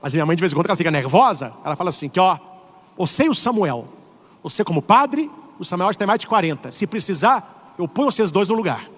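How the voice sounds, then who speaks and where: Animated high-voiced Brazilian priest. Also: male voice, fast talker, in a large hall. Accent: Brazilian Portuguese. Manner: animated, humorous, acts out voices. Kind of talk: lively sermon.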